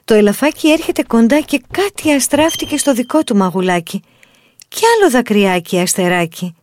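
A woman narrating a children's Christmas story in an expressive, animated way. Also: fairly high pitch, no echo, studio quality. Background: soft music.

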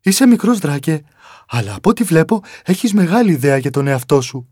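A man's voice: fairly high pitch, sing-song, darkish tone, husky, dry recording, clean studio sound, voice pushed up. A man voicing a huge, amused male dog who teases and scolds a little dragon in a children's story. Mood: teasing. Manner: teasing, laughing, scolding. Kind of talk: storybook narration.

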